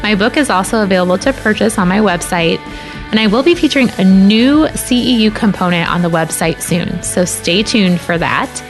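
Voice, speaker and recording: A woman's voice: medium pitch, moderate pace. Woman podcast host, faint music behind. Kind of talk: interview and show outro.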